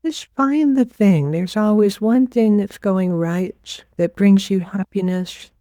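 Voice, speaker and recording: In a mid-range voice, a woman leads a guided meditation as its teacher, offering soft, unhurried directions with pauses between them. The studio-quality recording has no echo.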